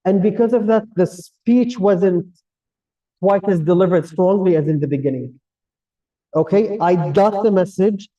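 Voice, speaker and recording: A man with a Kuwaiti Arabic accent and a very dark, soft-edged tone sits fairly high in pitch. He explains his points directly to listeners as a club evaluator, in semi-formal English shaped by his native Arabic. The recording is dull and picked up away from the mic. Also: measured pace. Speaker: general evaluator at a public speaking club meeting. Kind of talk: semi-formal spoken feedback to a club audience. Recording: distant mic, dull muffled sound.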